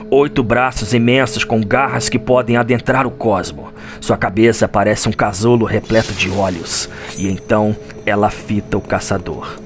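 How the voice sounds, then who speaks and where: Brazilian man narrating dramatically over music. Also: lowish voice. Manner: solemn, theatrical, suspenseful delivery. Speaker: narrator of a video game lore audio drama. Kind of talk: dramatic scripted storytelling narration. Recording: music under the voice. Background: background music.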